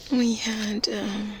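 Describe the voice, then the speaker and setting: Slow, whispering kindly witch played by a woman. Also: on the high side, rough recording. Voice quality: soft, breathy, mostly whispered. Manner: unhurried, gentle, pensive, with murmured hums and pauses. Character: kindly, wise, reclusive older witch mentoring an apprentice. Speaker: ASMR roleplay performer. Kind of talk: softly spoken, whispered ASMR roleplay. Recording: faint ambient noise bed. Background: medieval ambience sounds.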